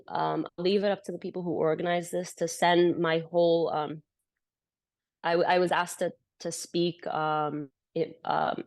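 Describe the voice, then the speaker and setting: A woman speaks at a campus event in a passionate, earnest way, often restarting her sentences as she retells a hard conversation. Her voice sits on the low side for a woman. The sound is dry and close, with little room echo. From United States. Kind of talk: impassioned personal testimony.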